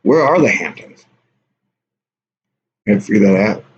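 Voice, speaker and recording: A man with a lowish voice, lively intonation and a moderate pace hosts a casual livestream, chatting with viewers, rambling offhandedly and reading chat aloud. The lo-fi stream audio is dull with a faint hiss.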